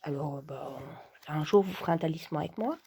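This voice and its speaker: Chatty woman with a mellow voice. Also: deep voice, fairly quick, husky. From Belgium. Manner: chatty, hesitant, many fillers, drops into whispers. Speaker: vlogger and sophrology coach. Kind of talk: casual chat to camera.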